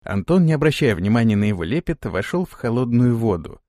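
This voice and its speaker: A man narrating an audiobook with expressive storytelling. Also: medium pitch, a little fast, dry recording, studio quality. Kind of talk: scripted narration.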